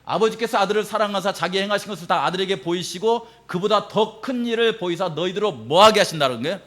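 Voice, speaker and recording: A middle-aged man preaching a sermon as pastor, animated, acting out quoted reactions and laughing often. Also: sits high, fast.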